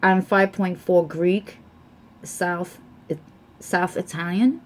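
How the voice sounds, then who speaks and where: Slow-talking woman vlogger, chatty. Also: lowish voice, steady tone. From United States. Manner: reads results aloud slowly with fillers. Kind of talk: casual chat to camera.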